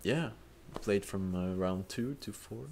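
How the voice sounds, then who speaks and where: A man's voice: sits low, unhurried, gravelly, a little mellow, slight background noise. A young man hosting an improvised chat, rambling with fillers and restarts and swearing casually. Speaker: host.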